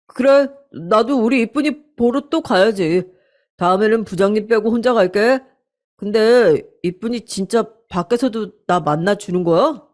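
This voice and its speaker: A woman's voice: medium pitch, measured pace, a little mellow, close to an everyday voice. A woman voicing a defensive, blustering young husband in a radio-style story, irritable and brushing off accusations. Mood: sweet-talking.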